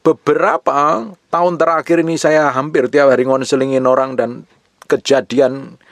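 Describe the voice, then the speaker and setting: A man's voice: medium pitch, little pitch movement, moderate pace, creaky, dry recording. A man preaching a sermon to a congregation, addressing them directly and repeating phrases for emphasis. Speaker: pastor.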